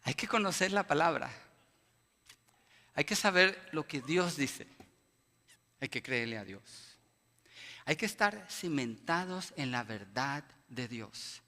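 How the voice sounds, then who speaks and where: A man's voice: on the high side, very animated, slow pace, long pauses, pushed and bright. A middle-aged male pastor, preaching an impassioned sermon full of emphatic rhetorical questions in a church. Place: church sanctuary. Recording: long church reverb.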